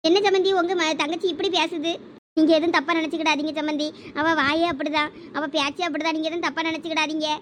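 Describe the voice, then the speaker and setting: High-pitched, rapid-talking woman. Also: steady tone, a little hiss or hum. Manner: pleading, emotional family-quarrel delivery. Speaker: skit performer voicing several village women. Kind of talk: village family comedy skit acting.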